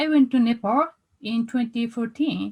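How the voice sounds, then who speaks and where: A woman speaks at a fairly slow pace. She has a Japanese accent. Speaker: PhD researcher. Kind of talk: conference presentation. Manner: halting.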